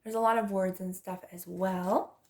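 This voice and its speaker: This planner vlogger is a young woman whose allergies leave her nose stuffy. She gushes and chats casually while decorating her planner, restarting often, in a mid-range voice with fairly even intonation at a moderate pace.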